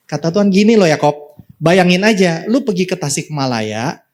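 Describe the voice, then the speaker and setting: A man's voice: high-pitched, lively intonation, moderate pace. A male pastor preaching a sermon in a church, in a casual, slangy way, often speaking straight to the congregation. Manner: casual and slangy, repeatedly addressing the congregation directly.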